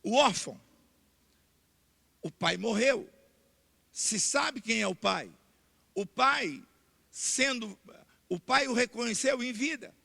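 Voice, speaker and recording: A man with a Brazilian Portuguese accent preaching a sermon in church, repeating key points and building to loud emphatic declarations. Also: very high-pitched, lively intonation, slow, vocal fry, pauses often. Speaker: pastor. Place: church sanctuary. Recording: long church hall reverb.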